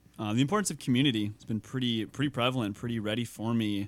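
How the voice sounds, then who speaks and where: A man at a fairly quick pace, medium in pitch with ordinary pitch variation, on a very clean recording with a silent background. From Minnesota, US. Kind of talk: casual chat. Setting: studio.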